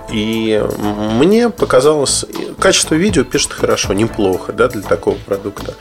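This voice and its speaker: A man's voice: medium pitch, vocal fry. A man hosting a tech podcast, giving a casual, rambling gadget review full of hesitations and asides.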